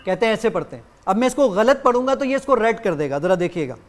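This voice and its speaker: A man appearing as a guest on a TV show, demonstrating his app in lively detail and acting out both sides of his exchanges with it. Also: sits high, soft background music. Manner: animated explainer who acts out exchanges with the app.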